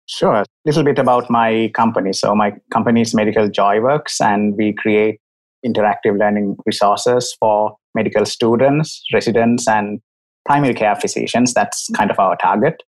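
A man's voice: lowish voice, fairly even intonation, moderate pace. A man in his thirties from Sri Lanka with a Sri Lankan accent, a doctor guest telling his story frankly and articulately over a video call. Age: 30s. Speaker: doctor and company CEO, guest. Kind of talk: casual interview.

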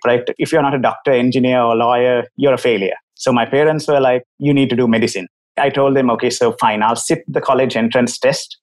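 A man's voice: mid-range voice, poor audio. A man in his thirties from Sri Lanka with a Sri Lankan accent, a doctor guest telling his story frankly and articulately over a video call. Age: 30s. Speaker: doctor and company CEO, guest. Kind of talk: casual interview.

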